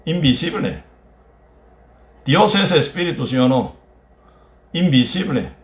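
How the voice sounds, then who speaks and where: A man's voice: fairly high pitch, animated. Korean-accented man preaching, echoey hall. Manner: peppers phrases with tag questions; halting, broken phrasing. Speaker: pastor. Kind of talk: sermon. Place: church.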